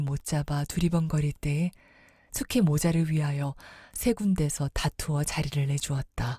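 Recorded very cleanly against a silent background, a woman with a very deep, low pitch speaks fairly slowly in a dark, mellow, somewhat breathy tone, with ordinary pitch variation and a dry, close sound with no echo. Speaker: audiobook narrator. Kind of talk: dramatic narration, reading a story aloud with character voices. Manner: expressive, shifts tone between characters and narration; dramatic, theatrical pacing in emotional scenes.

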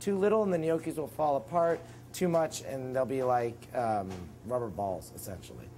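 Music plays in the background as a man talks with very wide pitch swings. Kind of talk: tutorial. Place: kitchen. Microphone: lapel.

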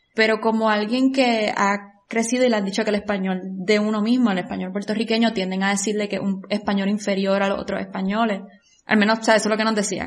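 In a normal speaking voice, this woman keeps her fairly high pitch on a fairly even line. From Puerto Rico. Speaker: webcomic creator. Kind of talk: roundtable discussion.

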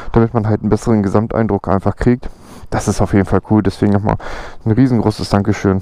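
Dark and mellow in tone, a man's voice sounds dry with no echo. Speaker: motovlogger. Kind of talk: casual vlog chat. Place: street.

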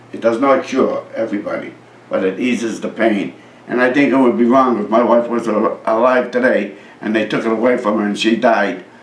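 Amid noticeable background noise, a man talks at a fairly quick pace with fairly even intonation. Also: medium pitch for a man. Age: 80s+. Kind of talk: interview answer.

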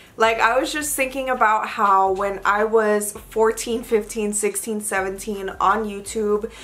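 A woman speaks with a fairly high pitch and a bright, sharp tone. Her intonation stays fairly even. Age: 20s. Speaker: YouTuber / lifestyle vlogger. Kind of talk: casual Q&A vlog to camera. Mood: reflective, candid. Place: home room.

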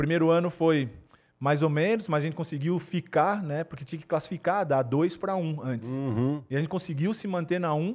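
This man speaks at a fairly quick pace with a fairly high pitch and ordinary pitch variation. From interior of São Paulo state, Brazil. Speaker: basketball coach. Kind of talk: casual interview. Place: studio. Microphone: studio mic.

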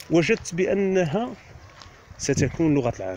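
Over noticeable background noise but with dry, echo-free sound, a man with an Algerian accent speaks at a fairly slow pace, his fairly high pitch swinging very widely. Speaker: language teacher. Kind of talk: casual explanatory talk to camera. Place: open country. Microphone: phone near.

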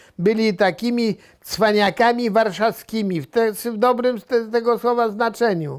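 A man speaks in a high pitch at a fairly slow pace. The recording is very clean, with a silent background. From Warsaw, Poland. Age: 80s+. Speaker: war veteran. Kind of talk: testimony. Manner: halting.

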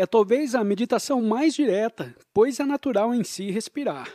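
A man's dark, mellow tone at a fairly slow pace, dry and close with no echo, in a very clean recording with a silent background. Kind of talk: guided meditation. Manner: calm, slow, soothing.

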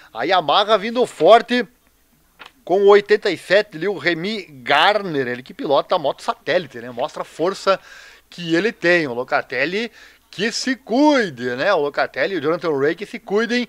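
The man's voice is high-pitched, with lively intonation at a moderate pace. The sound is dry with no echo, and the background is quiet. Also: big swings in loudness. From Brazil. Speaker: motorsport commentator. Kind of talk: live race commentary, excited play-by-play. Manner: shouting, urgent, short exclamatory bursts.

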